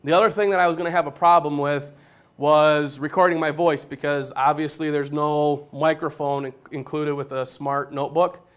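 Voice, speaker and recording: Loud-voiced man explaining classroom tech. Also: on the high side, steady tone, normal speed, smooth. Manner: plain explanatory, step-by-step walkthrough. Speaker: high school geometry teacher. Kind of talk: classroom technology demonstration.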